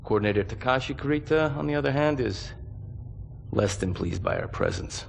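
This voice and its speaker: An actor playing a grave, commanding mercenary officer in a video game cutscene, speaking in a measured, authoritative way. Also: male voice, medium pitch, expressive, vocal fry, slight background noise. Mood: stern. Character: grave, commanding male mercenary officer briefing his unit. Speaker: military commander. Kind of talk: dramatic game cutscene acting.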